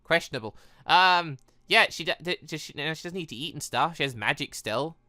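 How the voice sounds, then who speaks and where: A video game let's-player giving rambling, excitable, casual commentary while playing. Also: medium pitch, brisk, dry recording, clean studio sound. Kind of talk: casual gameplay commentary and read-aloud.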